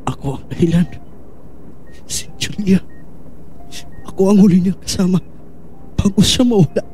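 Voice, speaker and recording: Audio drama: haunted amnesiac man played by a male actor, halting and anguished, mellow lightish voice, faint noise behind. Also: high-pitched, close to an everyday voice. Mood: remorseful, troubled. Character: troubled amnesiac man haunted by painful memories. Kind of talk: Filipino audio drama acting.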